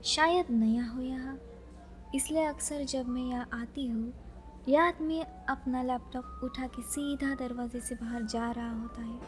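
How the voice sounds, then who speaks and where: A woman playing a chatty, dreamy young librarian who is easily flustered, musing softly to herself in an audio romance drama. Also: sits high, steady tone, measured pace, music in the background. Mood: smitten, curious.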